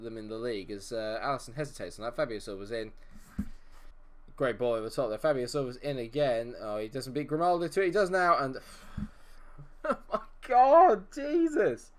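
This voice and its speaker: A mid-pitched man, a touch nasal from a cold, chatting through his football management game. He swings between hopeful urging and fed-up grumbling at his players and the game itself. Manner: exasperated, talks to the game and players. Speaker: gaming video host. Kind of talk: casual gameplay commentary.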